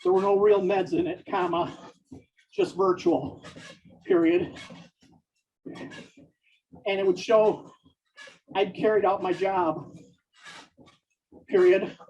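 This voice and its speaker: A writer reads a story out slowly, phrase by phrase, saying each comma and period aloud. The voice sits at a middling pitch and comes from some way off the microphone. The sound is dull and muffled. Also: fairly even intonation, a little mellow. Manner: slow, deliberate, pausing between phrases. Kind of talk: dictating fiction aloud with spoken punctuation. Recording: dull, distant mic.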